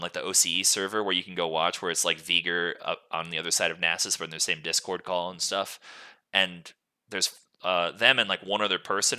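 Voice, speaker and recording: Guy hosting a gaming podcast, kinda low but really sharp bright voice, rambles on explaining stuff. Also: smooth. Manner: casual swearing. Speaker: podcast host. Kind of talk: casual gaming podcast chat.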